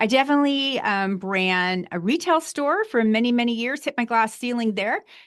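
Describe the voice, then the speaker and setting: The speaker has a slight Canadian accent and a lively intonation. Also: woman, quiet background. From Canada. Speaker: business coach and podcast host. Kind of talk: podcast interview.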